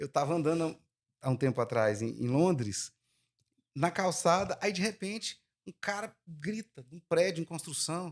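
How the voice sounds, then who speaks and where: A man's high voice at a fairly slow pace, with lively intonation, big swings in loudness and a dry, close sound with no echo. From Goiânia, Brazil. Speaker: music producer. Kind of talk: casual chat.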